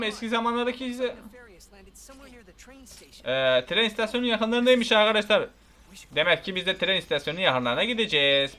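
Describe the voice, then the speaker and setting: Excitable high-voiced man commenting on a game. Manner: excitable, swears casually, yells at the game; reads on-screen text aloud. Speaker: gamer. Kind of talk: casual let's play commentary.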